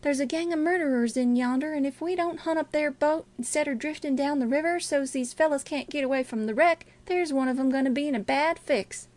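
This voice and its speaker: A woman's voice: high-pitched, fairly quick, few pauses, darkish tone, lightly acted. A woman voicing a scared but resourceful country boy, urgent and speaking rustic American dialect.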